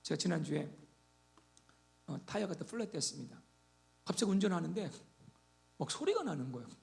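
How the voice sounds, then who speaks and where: A man preaching a sermon as pastor, animated, swinging between loud exhortation and quiet asides. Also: on the high side, brisk, creaky.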